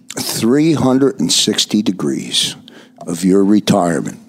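A man speaks at a fairly low pitch with lively intonation. There is noticeable background noise. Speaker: radio host. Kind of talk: radio show chat.

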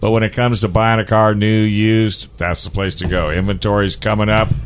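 Noticeable noise fills the background. A man's voice comes through over it. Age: 70s. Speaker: motorsports radio host. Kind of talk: casual chat. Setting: studio.

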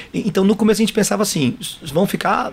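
The speaker is a man. He has a northeastern Brazilian accent. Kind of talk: radio interview.

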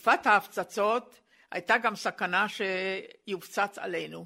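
A woman speaks very slowly at a medium pitch, her tone bright and sharp, on a very clean recording with a silent background. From Slovakia, Bratislava. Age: 80s. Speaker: Holocaust survivor. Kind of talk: testimony. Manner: halting.

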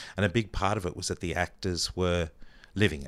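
A man speaks with a very deep, low pitch and fairly even intonation. The recording is very clean, with a silent background. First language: Italian. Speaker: linguistics professor and theatre director. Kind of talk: casual chat. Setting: recorded in a home.

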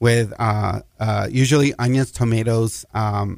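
A man's plain, everyday voice with an American accent, at a fairly slow pace with fairly even intonation. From El Paso, Texas. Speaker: food writer and web series creator. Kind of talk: interview.

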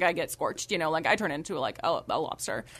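Noticeable background noise runs through the clip. Over it, a woman speaks at a very fast pace. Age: 30s. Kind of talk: casual interview chat. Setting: radio studio.

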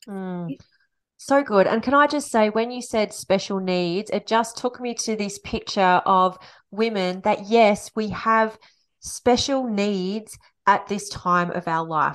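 An Australian accent marks this woman's medium-pitched voice, which moves at a very slow pace with ordinary pitch variation. The background is quiet. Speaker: podcast host, health coach. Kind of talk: interview.

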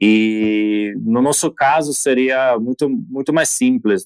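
A man with a Slovak accent and ordinary pitch variation, his sound dry and close with no echo. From Slovakia. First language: Slovak (speaking Portuguese). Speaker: entrepreneur, gin brand founder. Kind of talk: interview. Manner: halting.

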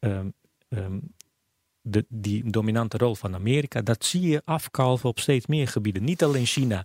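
With an unremarkable speaking voice, a man talks at a moderate pace and medium pitch with ordinary pitch variation, on a very clean recording with a silent background. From former Yugoslavia. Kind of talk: interview.

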